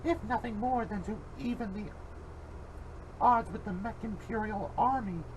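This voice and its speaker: A man voicing a high-pitched cartoon character in an amateur fan parody. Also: a little slow, background noise. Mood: reasoning.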